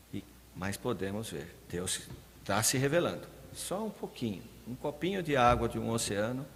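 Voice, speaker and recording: A man preaching a sermon as pastor, fervently addressing his congregation, rising to loud emphasis and dropping to soft, quiet phrases. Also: mid-range voice. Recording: long hall reverb, faint background noise.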